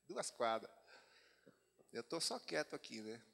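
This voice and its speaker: A man's voice: medium pitch, sing-song, measured pace, creaky, a bit bright, slightly rough. A man with a Brazilian Portuguese accent preaching a sermon at a church retreat, mixing chatty asides with scripture read aloud. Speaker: pastor. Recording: long hall reverb.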